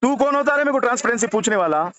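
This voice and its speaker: A man with a Hyderabadi Deccani accent argues at a very fast clip. His voice sits high, and he hammers the same phrases again and again in a confrontational way. The sound is a dull, lo-fi call recording. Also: lively intonation, fairly bright tone. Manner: confrontational, repeats himself insistently. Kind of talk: heated argument on a phone call. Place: phone call.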